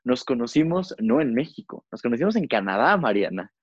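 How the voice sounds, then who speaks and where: A man's voice: mid-range voice, sing-song, a little fast, no echo. Young mexican guy hosting a podcast, rambly and chatty, dry dull sound. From Zacatecas, Mexico. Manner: chatty, rambling with many fillers. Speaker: podcast host. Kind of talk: casual podcast chat.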